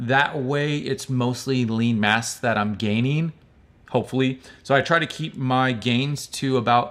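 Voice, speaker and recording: A man speaks with an American accent at medium pitch. He keeps a fairly slow pace. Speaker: YouTuber answering live chat. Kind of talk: casual live-stream chat. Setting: live stream. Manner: casual, filler-heavy.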